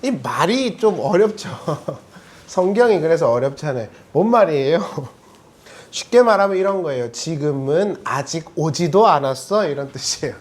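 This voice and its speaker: A man's voice: a little high, big pitch swings, normal speed, a little mellow. A man preaching a sermon as pastor, talking casually with jokes and acted-out quoted lines. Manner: conversational, jokey, acts out quoted lines.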